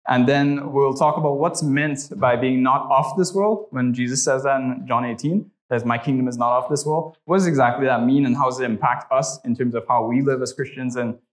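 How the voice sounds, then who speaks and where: A man's voice: mid-range voice, fairly even intonation, brisk, hardly any pauses. Man with a Trinidadian accent teaching. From Trinidad and Tobago. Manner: conversational, frequent "uh" and "right?" tags. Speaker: church class teacher. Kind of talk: teaching a class with a spoken prayer.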